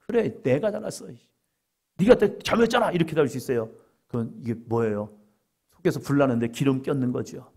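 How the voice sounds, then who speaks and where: A man's voice: mid-range voice, gravelly, darkish tone. A middle-aged man preaching a conversational sermon as a pastor, acting out quoted inner voices as he goes.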